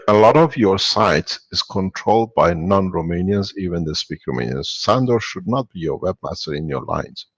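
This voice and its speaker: A man's voice: low-pitched, lively intonation, normal speed, husky, dry recording, highs cut off. A man leading a spiritual workshop and taking callers, talking in a rambling, insistent way and often cutting in. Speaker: workshop speaker answering callers. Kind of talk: spiritual talk and Q&A.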